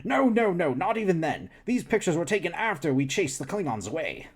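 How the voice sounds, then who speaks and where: A man's voice: fairly high pitch, sing-song, brisk, slightly rough, pitched above the performer's own voice. A man voicing an eager, chatty male alien scientist who lectures and rambles, while reading a novel aloud on a stream. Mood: eager lecturing.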